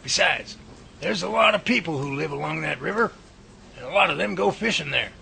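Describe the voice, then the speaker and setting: A man playing an earnest, guarded professor in a radio drama, with a folksy, deliberate delivery. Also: on the high side, lively intonation, vocal fry, pushed and bright, full character voice. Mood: reassuring. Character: earnest, guarded male professor researching Bigfoot. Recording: faint background noise.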